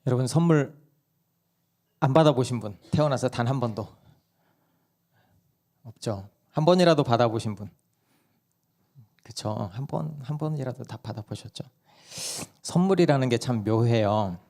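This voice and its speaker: A hoarse male pastor giving a sermon at a church service, telling stories and asking the congregation questions. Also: medium pitch, lively intonation, normal speed, pauses often, darkish tone. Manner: conversational storytelling, asks the congregation questions.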